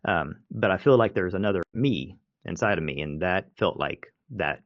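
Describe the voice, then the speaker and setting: A man's voice: deep voice, expressive, moderate pace, no room sound. A man hosting a podcast, talking casually and rambling with many restarts and fillers. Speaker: podcast host. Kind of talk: casual conversation. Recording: dry muffled podcast audio.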